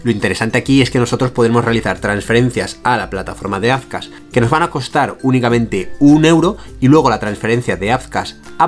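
A young man with a Spain Spanish accent, hosting a step-by-step screen-share tutorial from a small room, explaining energetically. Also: mid-range voice. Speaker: tutorial host.

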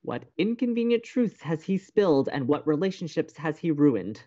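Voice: mid-range voice, sing-song, normal speed, dark tone, lo-fi sound. An actor playing a dismayed, fretful young college radio co-host in an audio romantic comedy, with exasperated delivery. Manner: melodramatic, exasperated.

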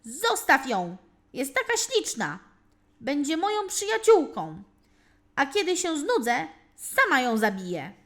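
Little robber girl for a fairy tale, voiced by a woman: high, emphatic, bossy, playfully threatening. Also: wildly swooping pitch, unhurried, a bit bright, exaggerated voice. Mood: bossy, excited. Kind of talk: children's fairy tale storytelling.

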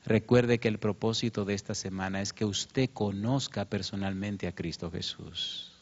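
A man preaching a sermon as pastor. He tells a story with feeling and raises his voice when he quotes people. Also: normal speed. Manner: emotional storytelling, rising pitch when quoting. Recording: muffled lo-fi sermon recording.

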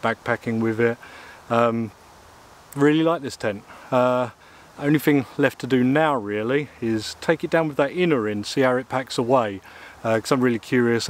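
A man's voice: medium pitch, normal speed. A man, chatting casually through an outdoor gear review in the woods, with plenty of ums and uhs. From England. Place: woodland outdoors, in and beside a small tent. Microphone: camera mic, close and at mid distance.

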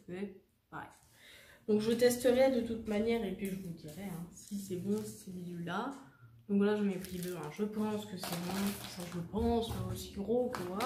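A woman's voice: medium pitch, dark tone. A young woman chatting casually through a shopping haul, rambling and correcting herself with many fillers. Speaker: vlogger showing a shopping haul. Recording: echoey room with faint noise.

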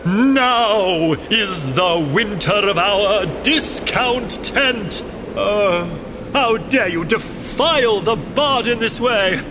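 A man's voice: high-pitched, lively intonation, very slow, noisy background, full character voice. A man playing a pompous, easily offended thespian with a theatrical manner. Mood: haughty, affronted.

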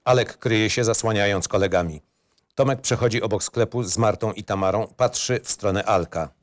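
Male narrator for screenplay reading, lowish voice, clipped and matter-of-fact. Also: brisk.

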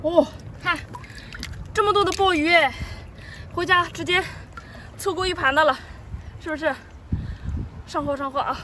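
Excitable high-voiced woman on the shore. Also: moderate pace, pauses often, slight background noise. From Shandong, China. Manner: lively, exclamatory, full of delighted cries. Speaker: seaside foraging vlogger. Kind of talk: excited live commentary while foraging. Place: rocky seashore outdoors. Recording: distant mic with loud outdoor ambience.

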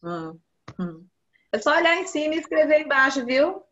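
Brazilian woman, high voice, patient grade-school teacher on a slightly muffled video call. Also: very animated, a bit bright. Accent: Brazilian Portuguese. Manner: patient, repeats key words slowly for children. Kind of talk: online class instruction.

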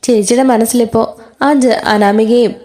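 A woman's voice: fairly high pitch, little pitch movement, normal speed, warm tone, soft background music, close to an everyday voice. A woman voicing a tearful young woman who explains her side earnestly in a serial story recap. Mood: upset. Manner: earnest, pleading.

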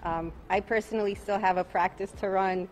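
A woman's voice: medium pitch, fairly quick, faint music behind, low-quality recording. Tired woman attorney at press microphones. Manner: calm, repeats reporters' questions before answering. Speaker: attorney speaking to reporters. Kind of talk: press conference statement. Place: outdoors at night in a city. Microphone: bank of press microphones.

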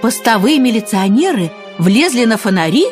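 A woman reads a children's fairy tale in a high voice with wide, swooping intonation. Her storytelling is expressive and dramatic, and music plays behind her. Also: normal speed. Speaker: narrator.

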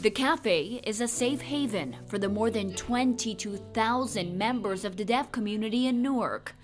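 Young woman news reporter, fairly high voice, crisp measured delivery, faint music underneath. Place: outdoors on a city street.

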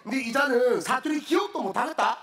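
A naive, easily impressed young man speaks high and blunt in Gyeongsang dialect. It is live sketch comedy, with stage echo and a noisy background. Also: animated, a little fast. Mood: amazed. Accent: Gyeongsang Korean. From Busan region, South Korea. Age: young adult. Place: large theatre stage, indoors.

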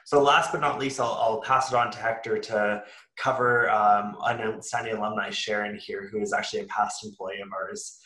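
A man's voice: lowish voice, steady tone, moderate pace, sharp tone, echoey room, rough recording. A man hosting a university webinar, talking casually with many fillers and restarts. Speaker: webinar host.

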